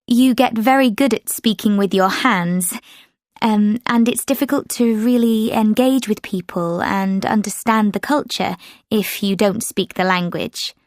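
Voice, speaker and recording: Woman, native French speaker, steady delivery with frequent fillers, dry studio. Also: mid-range voice, unhurried, no room sound. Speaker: sample answer speaker. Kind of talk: scripted exam answer recording.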